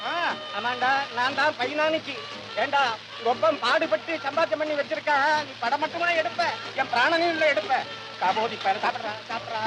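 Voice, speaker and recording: A man's voice: very high-pitched, brisk, over loud music, poor audio. An actor playing a sarcastic, grumbling older rich father who scolds his son in a 1960s film comedy. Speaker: wealthy father.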